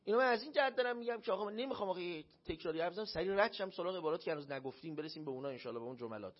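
A man's voice: sits high, expressive. A man preaching a religious sermon, telling a personal story and acting out the voices he quotes. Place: shrine hall. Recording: dull lo-fi recording.

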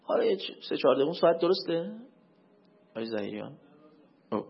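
A man giving a religious lecture as a preacher, swinging between loud emphatic questions and low murmured asides. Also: animated, slightly rough. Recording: dull lo-fi recording.

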